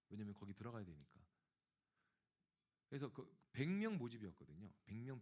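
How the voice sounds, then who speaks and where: Male pastor, lively pitch, storytelling sermon that addresses the congregation. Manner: animated storytelling, acting out dialogue; speaks directly to the congregation.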